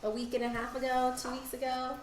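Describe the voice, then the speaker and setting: A woman's voice: high-pitched, completely flat delivery, quick pace. Congested, nasal-sounding woman streamer. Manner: chatty, rambling explanations. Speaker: craft streamer. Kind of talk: casual live-stream dyeing tutorial. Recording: echoey room, faint background hiss.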